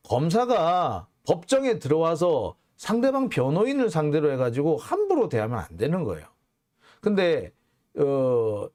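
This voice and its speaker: A man's voice: a little high, darkish tone. A man hosting his own channel, giving an indignant news commentary monologue full of rhetorical questions. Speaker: journalist and channel host.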